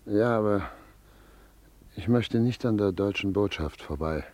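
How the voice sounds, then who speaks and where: A man's voice: lowish voice, measured pace, darkish tone, natural voice. A man playing an anguished exiled doctor and family man in a German radio drama, speaking earnestly and insistently. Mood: shaken, hesitant.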